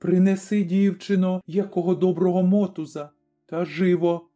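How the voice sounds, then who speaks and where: Voicing a grim, fearless Cossack father for a storybook reading, a man speaks in a firm, commanding, lightly acted way. His voice sits high and mellow, level in tone, at a normal speed, with slightly dull audio and faint music.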